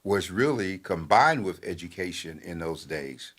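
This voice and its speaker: Older guy, lowish voice, editor chatting on air, slow and full of uhs. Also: expressive, a bit bright. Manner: measured, halting with many fillers. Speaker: newspaper editor. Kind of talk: radio talk commentary.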